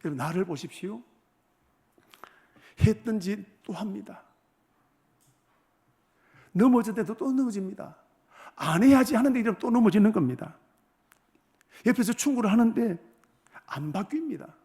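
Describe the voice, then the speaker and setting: A male pastor preaching a sermon in a church. He keeps asking the congregation questions and swings between hushed words and forceful ones. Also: high-pitched, expressive, normal speed, gravelly, long pauses. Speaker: senior pastor. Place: church sanctuary.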